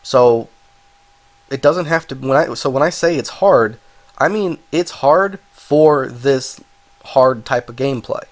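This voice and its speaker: Man, stuffed up from a cold, casual game review, mid pitch, rambling, self-correcting. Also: a little slow. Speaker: game reviewer, channel host.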